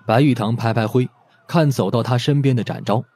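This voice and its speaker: A man's voice: medium pitch, a little fast, warm tone, slightly rough. A man narrating a scripted audiobook story expressively.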